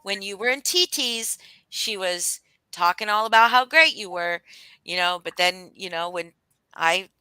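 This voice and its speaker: A woman's voice: mid-range voice, unhurried, sharp tone, clean tone, dry recording, rough recording. A woman hosting a casual chat, talking bluntly and animatedly with plenty of swearing. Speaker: host.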